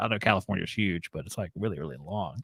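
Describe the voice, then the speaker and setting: A man with a Southern US accent talks very fast with vocal fry. The sound is dry and close with no echo, on a very clean recording with a silent background. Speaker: HVAC technician. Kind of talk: casual chat.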